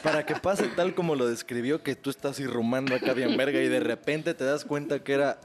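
Mexican man, middle-pitched voice, dry and laughing, for crude friends' podcast chat. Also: fairly quick. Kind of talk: crude casual banter.

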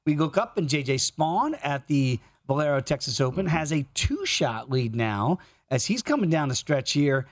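A man's voice: fairly high pitch, big pitch swings, normal speed, no room sound, studio quality. A man hosting a live sports betting talk show.

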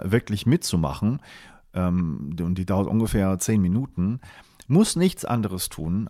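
A man's voice: lowish voice, dark tone. A man hosting a podcast interview, thanking his guest and listeners politely with hesitant fillers. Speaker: podcast host.

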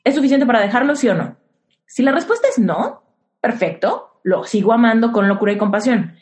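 A woman's voice: on the high side, expressive, brisk, a little mellow. A young woman with a Mexican accent hosting a casual chat, giving frank relationship advice and posing rhetorical questions.

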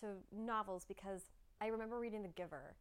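A woman's voice: mid-range voice, a little fast, clean tone. A woman hosts a conversational interview and builds her questions as she talks. She thinks aloud and laughs along with her guest. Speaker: podcast host. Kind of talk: casual interview chat.

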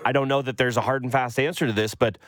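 A man's voice: medium pitch, steady tone, quick pace, fairly bright tone, no room sound. A man co-hosting sports radio in casual banter, jokey and playfully flowery, close on a studio mic. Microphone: close studio microphone.

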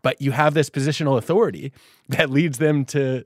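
A young man hosts a podcast conversation. He talks in an animated way, changing his pitch and pace. The recording is dry and close-miked. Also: a little fast, no room sound. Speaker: podcast host. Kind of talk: casual conversation.

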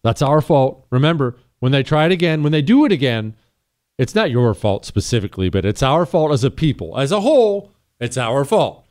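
A man hosting a call-in radio talk show, sarcastic and combative, mocking in a high voice then dropping low. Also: very animated, fairly quick, darkish tone, no room sound, studio quality.

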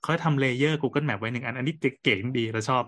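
Fast-talking joking male podcast host. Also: mid-range voice, fairly bright tone. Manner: joking, rough slangy banter. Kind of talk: casual chat among friends.

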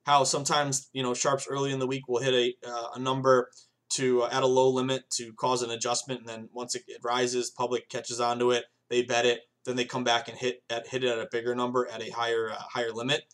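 A man in his thirties hosts a solo sports betting podcast in a loose, rambling way. He leans on fillers and restarts and keeps talking straight to his listeners as "guys". His voice sits at an ordinary pitch. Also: monotone, brisk, a bit bright. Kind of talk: casual solo podcast monologue.

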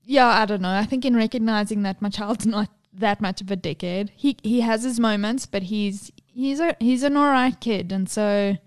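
A woman's voice: medium pitch, normal speed, hardly any pauses. A woman in her thirties co-hosting a podcast, chatting candidly about parenting, swearing freely and acting out the people in her stories. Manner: candid, swearing, acts out quotes. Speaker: podcast co-host. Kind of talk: casual chat.

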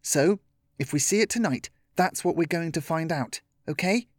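A man's voice: on the high side, expressive, moderate pace, no echo, voice pushed up. An earnest young girl played by a man takes charge of her friends in a storybook tale. The voice is lifted and dry, with no room sound. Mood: earnest, decisive.

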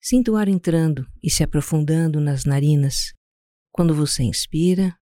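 A Brazilian-accented speaker guiding a meditation in a calm, soothing, unhurried way, leaving pauses between instructions. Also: medium pitch, dry recording, studio quality. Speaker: podcast host guiding a meditation. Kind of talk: slow guided meditation narration.

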